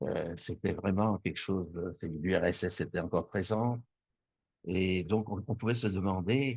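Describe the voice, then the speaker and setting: A man speaks at a fairly slow pace with a very deep, low pitch. The background is quiet. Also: ordinary pitch variation. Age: 70s. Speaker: preacher. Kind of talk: sermon. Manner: halting, many hesitations.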